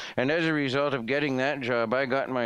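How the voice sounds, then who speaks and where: Speaking with a Canadian accent at a moderate pace, a man uses a normal speaking voice with ordinary pitch variation. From Ontario, Canada. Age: 60s. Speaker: blind access technology specialist. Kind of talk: interview.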